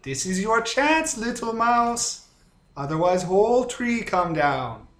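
Man doing weasel boss, broken clipped threats, pitched up a touch, roomy echo. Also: big pitch swings, takes it slowly, fairly bright tone, full character voice. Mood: menacing. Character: menacing male weasel leader speaking broken speech. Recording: roomy echoey room.

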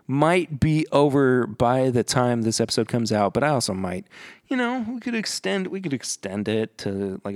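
A man's voice: medium pitch, dry recording, studio quality. A man hosting a podcast, wrapping up the episode in a chatty, upbeat way and often restarting his words. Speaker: podcast host. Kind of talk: casual podcast outro.

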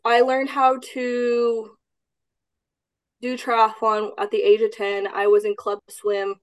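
Relaxed young woman from Texas. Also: a little high, takes it slowly, smooth. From Austin, Texas. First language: Cantonese. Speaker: guest. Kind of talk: casual podcast interview.

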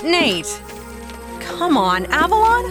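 A woman's voice: high voice, wildly swooping pitch, slow, over loud music, exaggerated voice. A woman playing a feisty, skeptical journalist in an adventure audio drama, emphatic and exasperated. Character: skeptical, feisty female journalist reluctantly joining treasure hunters.

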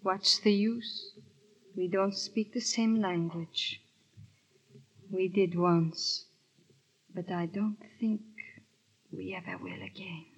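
An actress playing a proud, exasperated aristocratic wife with an intense, emotional delivery, in 1930s radio drama style. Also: female voice, a little high, animated, moderate pace, a bit bright, highs cut off. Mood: sorrowful.

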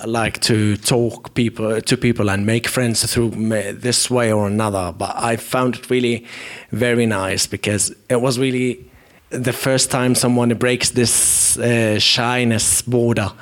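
Halting man from Syria. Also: mid-range voice. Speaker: guest. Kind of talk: personal storytelling.

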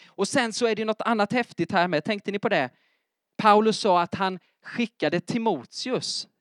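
A middle-aged man preaching a sermon in church, lively and emphatic, often asking his congregation if they are following. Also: sits high, no echo, studio quality. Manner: keeps checking in with the congregation with questions. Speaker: pastor.

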